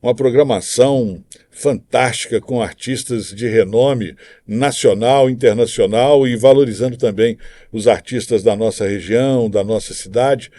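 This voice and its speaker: A man's voice: medium pitch, normal speed, warm tone. A man with a Brazilian accent hosting a live podcast, interviewing and making announcements.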